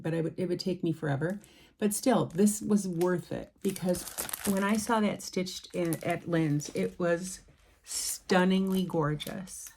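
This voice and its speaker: A woman's voice: fairly low pitch, darkish tone, a little hiss or hum. A middle-aged woman chatting casually at home about her cross-stitch patterns, rambling with many ums and restarts. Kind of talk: casual show-and-tell chat.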